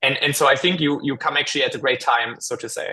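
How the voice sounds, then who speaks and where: Talking at a very fast pace, a man with a German accent has a bright, sharp tone. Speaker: AI dental software company founder. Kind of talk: webinar panel discussion. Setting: online webinar. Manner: many fillers and repetitions.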